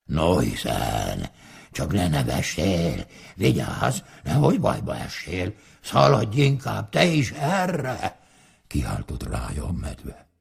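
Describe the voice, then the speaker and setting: A man voicing a big bear in a told folk tale, slow and warning. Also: deep voice, huge pitch swings, gravelly, slightly rough, voice pushed down, exaggerated voice.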